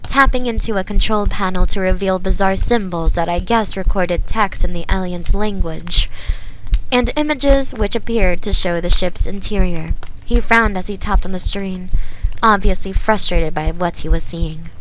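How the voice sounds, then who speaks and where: A young woman reads a creepy bedtime story in a gentle, soothing voice and sometimes slips into a whisper. She is close on a binaural mic. A faint hiss runs underneath. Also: medium pitch, normal speed, poor audio. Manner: gentle, soothing reading with some whispered words. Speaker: ASMR storyteller. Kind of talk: soft bedtime story reading.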